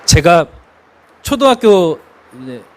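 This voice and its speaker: A middle-aged male pastor delivers a Sunday sermon in a notably high voice. His pitch swings widely as he tells stories, and he breaks into laughter now and then. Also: slow. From Chungcheong, Korea. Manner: expressive preaching, sings hymn lines, laughs while telling stories.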